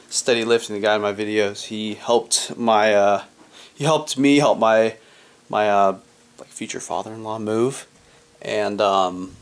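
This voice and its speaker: A young man in his twenties narrating a casual fitness vlog in a laid-back, rambling way, swearing casually. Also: on the low side. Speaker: fitness vlogger. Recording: noisy handheld camera audio.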